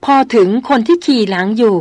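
A woman reading aloud puts on a frightened young woman in a storybook reading, her voice pushed high and strained. She pleads and insists, sounding shaken. The recording is close and dry. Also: a little slow, no echo, natural voice. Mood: terrified. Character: terrified young woman doctor seeing ghosts.

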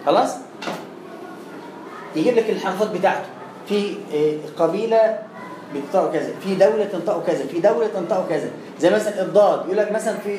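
A man's voice: sits high, a little mellow. Man, Egyptian Arabic accent, recitation teacher, chatty and repetitive, roomy recording, faint hum behind. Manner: chatty, repeats words and demonstrates sounds. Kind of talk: explanatory lesson. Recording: roomy echo, faint background noise.

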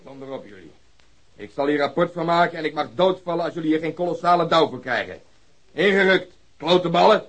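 A man's voice: fairly high pitch, brisk, fairly bright tone. An actor playing a sarcastic, hot-tempered male police superior in a radio drama, questioning people with biting, coarse language. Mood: furious. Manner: sardonic interrogation, swearing. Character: sarcastic, irate male police detective, middle-aged superior.

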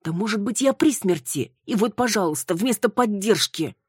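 A woman reading an audiobook, voicing a flustered young woman who quickly turns indignant. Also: on the low side, mellow, husky, no room sound, studio quality, pitched above the performer's own voice. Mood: outraged. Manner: indignant, exclaiming.

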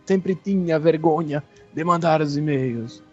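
A man reading a fan letter aloud in a put-on mock Italian accent, slow and drawn out. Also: a little high, breathy edge. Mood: hammy. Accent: mock Italian put on over Brazilian Portuguese. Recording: muffled podcast audio with faint music.

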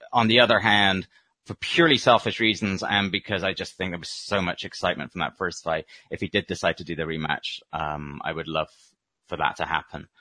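A man giving unscripted answers as an expert interview guest, speaking in a reflective, hesitant and measured way. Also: low voice, pushed and bright, no room sound.

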